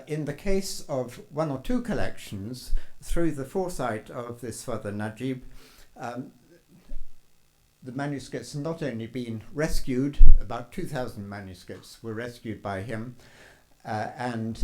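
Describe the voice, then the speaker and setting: Older male academic, hesitant conference lecturer, frequent pauses and fillers. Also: mid-range voice, darkish tone. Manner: hesitant, many ums and uhs. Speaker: scholar giving a conference talk.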